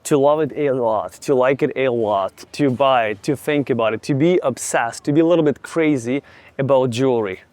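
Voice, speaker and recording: A young man with a Ukrainian accent, vlogging outdoors while walking city streets, chatting casually and slowly explaining English words. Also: mid-range voice, a little mellow, dry recording. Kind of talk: casual travel vlog with teaching asides.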